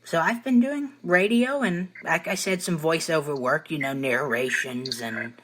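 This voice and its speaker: A man's voice: fairly high pitch, a little slow, fairly bright tone. A nineteen-year-old man hosting an interview, easygoing and agreeable. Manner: easygoing, agreeable, many fillers and short acknowledgments. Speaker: interviewer, host. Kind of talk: casual interview.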